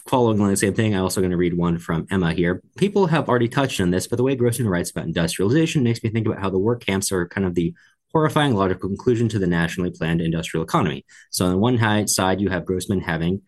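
A man co-hosting a podcast, talking through a book conversationally in an analytical way, carefully qualifying his points. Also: sits low. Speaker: podcast co-host.

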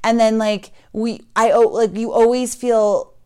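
A woman with a slightly hoarse voice, hosting a casual, informal podcast chat. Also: a little high, flat delivery, a little slow, warm tone. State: slightly hoarse from screaming and talking. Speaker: podcast host.

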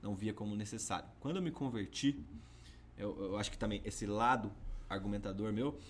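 A man with a Brazilian accent, a podcast guest telling his story in an animated, casual way. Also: on the low side, fairly quick, a little hiss or hum. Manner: animated, peppers speech with "cara" and "entendeu".

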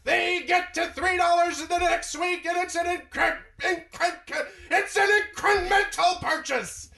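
A man playing an over-excited, bombastic corporate chief executive with a shouty, sing-song, overdramatic delivery. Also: very high-pitched, unhurried, vocal fry, a faint crowd, exaggerated voice. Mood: bombastic excitement. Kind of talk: theatrical reenactment of an earnings call. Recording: echoey room with faint noise.

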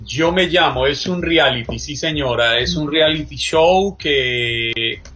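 A man's voice: a little high, takes it slowly, bright, forceful tone. A man co-hosting a morning show, explaining a topic to his co-host.

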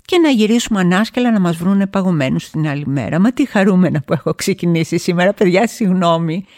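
A woman hosting her own podcast, delivering a theatrical, emotive monologue that swings between exclamations and hushed asides. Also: lowish voice, lively intonation. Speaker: podcast host.

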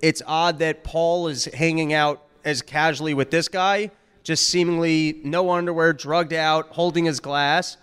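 Wry man with a smooth, slightly high voice. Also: fairly even intonation, measured pace, fairly bright tone, long reverb tail. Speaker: podcast co-host. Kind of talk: casual commentary chat.

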